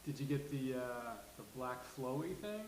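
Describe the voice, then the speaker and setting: A man's voice: mid-range voice, lively intonation, moderate pace, darkish tone, close to an everyday voice. A man reading a witty, coaxing gay best friend in a live sitcom table read. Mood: teasing. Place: live venue with studio audience. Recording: roomy live venue, faint hiss.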